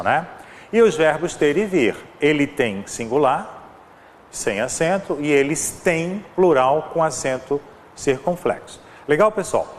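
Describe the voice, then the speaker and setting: Teaching grammar for an exam, a Brazilian Portuguese-accented man goes through examples repeatedly, often asking "né?" and saying "ó". His slightly high voice has a big-room sound with a little background noise.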